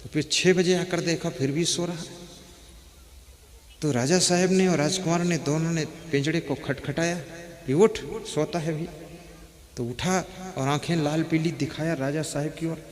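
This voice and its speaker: A male preacher tells a moral tale in a folksy way, and his delivery builds to fervent exhortation. His voice sits slightly high. A long hall reverb trails after his words. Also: fairly even intonation, normal speed. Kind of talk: storytelling sermon.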